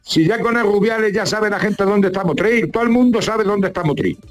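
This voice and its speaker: A man's voice: sits high, a little fast, faint music behind. A man grumbling comically in colloquial, rambling chat full of rhetorical questions. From La Mancha, Spain. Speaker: regular radio contributor nicknamed as a judge.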